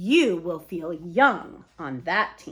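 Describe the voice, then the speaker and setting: The speaker uses a put-on character voice with a growling quality. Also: woman. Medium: read story. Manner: brisk, upbeat.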